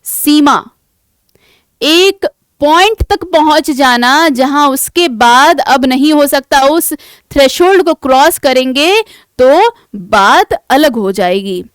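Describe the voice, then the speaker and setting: A woman's voice: sits high, lively intonation, takes it slowly, dry recording, studio quality. A woman teaching an exam-prep vocabulary lesson, explaining patiently, repeating key words and asking rhetorical check questions.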